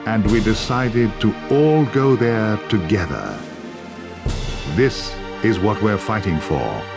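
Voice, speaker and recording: A man playing a reflective narrator of a future history, telling it in measured, dramatic game cinematic style. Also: fairly low pitch, expressive, vocal fry, music in the background, exaggerated voice. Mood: hopeful, stirring.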